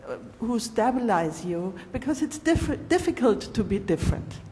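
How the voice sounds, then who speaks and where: A middle-aged woman with a high, mellow voice speaks earnestly and restarts her words. Her voice carries a long hall reverb with faint background noise. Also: sing-song, moderate pace. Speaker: panelist. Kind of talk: conference panel remarks. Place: large conference hall stage.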